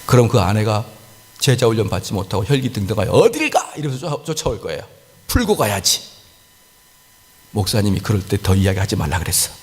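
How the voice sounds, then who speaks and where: A man preaching a sermon as pastor, lively and animated, acting out little scenes of quarrels. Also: on the low side, very fast, big-room sound. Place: church sanctuary.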